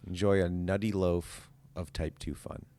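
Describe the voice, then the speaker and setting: A man's voice: deep voice, steady tone, measured pace, warm tone. A man talking casually as a podcast guest, explaining his ideas in a rambling, emphatic, philosophizing way. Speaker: podcast guest, stage actor.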